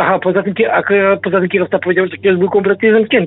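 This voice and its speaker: A man with a high pitch talks very fast over music in the background. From Upper Silesia, Poland. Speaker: caller sharing paranormal experiences. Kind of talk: testimony.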